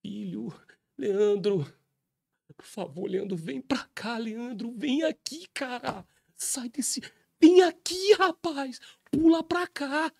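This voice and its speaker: A man's voice: very high voice, a little slow, pushed and bright, pitched above the performer's own voice, exaggerated voice. A man voicing Jesus as a pleading male figure who calls out and begs someone to come over to his side. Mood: soft pleading. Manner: tearful, imploring calls. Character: pleading Jesus calling from afar, male adult.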